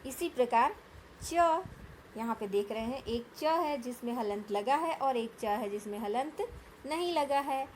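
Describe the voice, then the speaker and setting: A woman teacher walks students through a grammar lesson at an unhurried, deliberate pace. Her voice sits slightly high, and she keeps asking questions to check that the class follows. A faint hum of noise runs under the recording. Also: animated, a little mellow. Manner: slow, patient explaining with frequent check-in questions.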